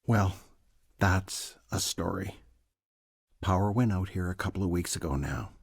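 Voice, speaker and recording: Weary, grave prison warden for a game, older, low gravelly voice, ominous delivery. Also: male voice, a little slow, heavily acted. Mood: weary, confiding. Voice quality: gravelly, husky. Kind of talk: dramatic game cutscene acting.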